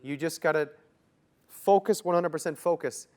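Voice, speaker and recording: A man's voice: on the high side, moderate pace. A young man from Canada giving loose, casual interview answers, full of "like" fillers. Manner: relaxed, loose, many "like" fillers. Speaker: interview guest.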